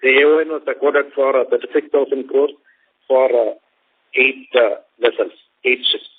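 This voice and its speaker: A man with an Indian accent answering questions as a company executive, speaking formally and haltingly in measured phrases. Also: mid-range voice, steady tone, husky. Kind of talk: earnings call answers. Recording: narrow phone line with faint noise.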